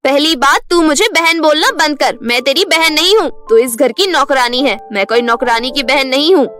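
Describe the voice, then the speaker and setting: A woman puts on a spoiled young stepsister from a storybook, haughty and cruel. The high voice snaps out scornful orders over background music. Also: expressive, normal speed, sharp tone. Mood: angry, scornful. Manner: scornful, snapping. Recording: music behind the voice.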